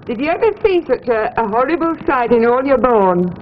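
An actress plays a chatty, nosy woman in a 1960s television drama. Her voice is fairly high. It comes through a muffled feed with slight hiss. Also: lively intonation, fairly quick, close to an everyday voice.

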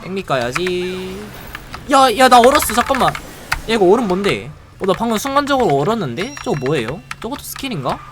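An excitable game streamer talks through a race with a lively voice that jumps up and down. The talk is playful, with quick reactions and frequent laughs. Clear keyboard typing and clicks run in the background. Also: mid-range voice, background noise. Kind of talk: live gameplay commentary.

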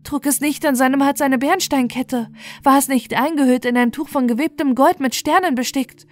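A woman's voice: high voice, fairly even intonation, moderate pace, faint music behind, voice pushed up, natural voice. A woman voicing a heartbroken beggar mother in a fairy tale, imploring and emotional. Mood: urgent. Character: pleading, heartbroken beggar woman seeking her lost son.

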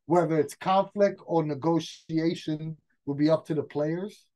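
Excited and prone to frequent restarts, a man acting as guest game master works out a game scenario in a casual conversation. He speaks unhurriedly in a slightly high voice, and the audio quality is poor.

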